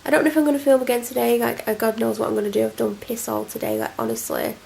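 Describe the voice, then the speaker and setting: A woman's voice: fairly high pitch, expressive, fast, creaky, mellow, slight background noise. A young woman with a cold, chatting and rambling to camera at home in a casual vlog. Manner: rambling, self-deprecating, chatty. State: congested, snotty from a cold. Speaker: vlogger. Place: at home, indoors. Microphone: camera mic.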